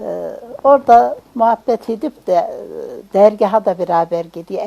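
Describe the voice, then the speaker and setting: The sound is dry and close, without any echo. A woman's tone comes across dark and mellow. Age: 80s+. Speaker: elderly storyteller, descendant by marriage of a religious lineage. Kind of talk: oral storytelling in an interview. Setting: at her home.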